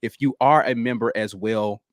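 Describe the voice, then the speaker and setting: A man's voice: mid-range voice, fairly even intonation, normal speed, no room sound, clean studio sound. A man co-hosting a sports podcast, talking laid-back and loose with plenty of ums and slang. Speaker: podcast co-host, film analyst. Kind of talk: casual sports talk.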